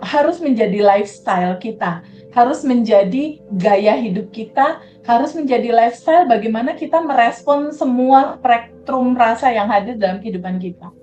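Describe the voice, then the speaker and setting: A woman speaking as a guest coach in a conversational interview, talking softly and slowly and repeating words for emphasis. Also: on the high side. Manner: soft, slow, reflective, repeats words for emphasis. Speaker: guest coach on emotional release.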